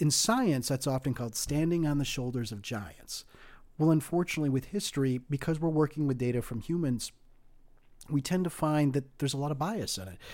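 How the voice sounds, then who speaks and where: In a normal speaking voice with an American accent, the speaker goes at a fairly quick pace with ordinary pitch variation, captured in a very clean recording with a silent background. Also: man, fairly high pitch for a man. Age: 30s. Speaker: history podcaster. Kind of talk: solo history narration.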